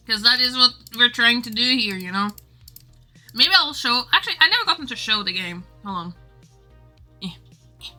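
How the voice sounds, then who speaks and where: A woman's voice: on the high side, bright, forceful tone. A woman livestreamer chatting casually with her viewers in a rambling, exclamatory way. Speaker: livestreamer and game developer.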